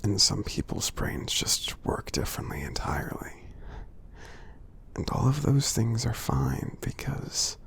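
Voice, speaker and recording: A man takes on the role of a soft-hearted male giant in an ASMR piece, heavily acted with big pitch swings. His half-whispered voice is gravelly, husky, breathy and low, and he speaks slowly, gently and supportively, often pausing to reassure and soothe.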